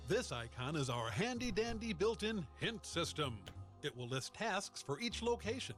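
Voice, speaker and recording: A man's voice: sits high, sing-song, moderate pace, a bit bright. A man voicing a chatty, cheeky robotic personal assistant in a video game, with perky, teasing patter. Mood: helpful, instructive. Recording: music under the voice.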